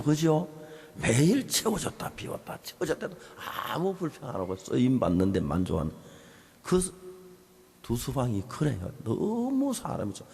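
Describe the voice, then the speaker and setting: A male pastor gives a sermon in a gravelly voice, his pitch leaping high and dropping low as he tells a story. He acts out both sides of conversations. He swings between loud bursts and hushed, whispered asides. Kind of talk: sermon at a Bible seminar.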